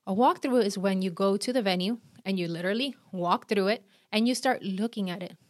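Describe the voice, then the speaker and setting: A woman in her thirties with a Puerto Rican accent, an event planner giving chatty, energetic how-to advice with quick asides. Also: medium pitch, no room sound, clean studio sound. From Puerto Rico. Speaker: event planner and podcast host. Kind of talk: instructional talk.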